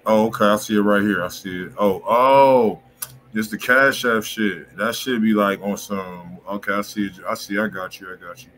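A man's voice: fairly low pitch, normal speed, fairly bright tone, a little hiss or hum. A man hosting a music review livestream in casual, slangy talk, swearing freely and repeating himself.

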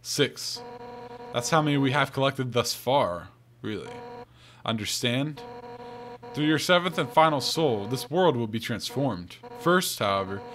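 A man's voice: mid-range voice, fairly bright tone, slight background noise, lightly acted, rough recording. A man voicing a fierce, hot-tempered female monster warrior in a video game, grand and accusing in delivery. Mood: solemn, ominous. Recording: game music behind the voice.

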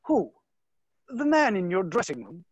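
Actor as earnest young suitor, husky and expressive. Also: male voice, high voice, a little slow, dry recording, muffled recording, exaggerated voice. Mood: jealous. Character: earnest, jealous young viscount suitor, skeptical and protective. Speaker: actor in a virtual staged reading. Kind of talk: dramatic stage play reading. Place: indoor room, video call. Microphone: video call microphone.

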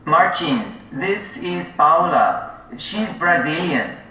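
A man speaking a polite adult man's lines in a scripted textbook dialogue, slow and deliberate. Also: fairly high pitch, lively intonation, bright, forceful tone, slight background noise, heavily acted. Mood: plain. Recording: very echoey audio from far off.

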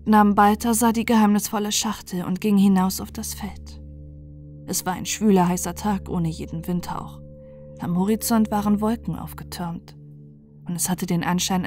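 A woman reading a fairy tale aloud as a calm, soothing bedtime story, with soft music underneath. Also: medium pitch. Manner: slow, soothing, soft at times.

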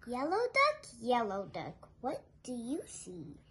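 A young girl reading a picture book aloud to small children in a singsong way, with softer asides. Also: fairly high pitch, wildly swooping pitch, takes it slowly, breathy edge. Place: living room sofa at home. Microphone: phone held nearby. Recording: home phone recording with background noise.

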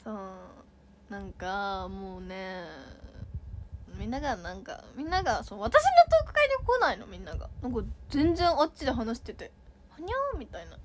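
A woman's voice: medium pitch, big pitch swings, moderate pace, slight background noise. A young woman chatting casually on a livestream, playfully reading out viewer comments and reacting with giggles. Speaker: idol livestreamer.

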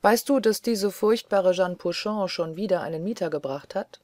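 A woman's voice: mid-range voice, normal speed, darkish tone, dry recording, lightly acted. A woman voicing a weary, agitated young woman doctor who talks in restless, pleading chatter.

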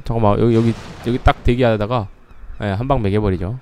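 A man's voice: mid-range voice, steady tone, fairly quick, darkish tone, slight background noise. A man giving casual, playful commentary over a game he is playing, laughing often and letting out sudden startled exclamations. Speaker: gameplay commentator.

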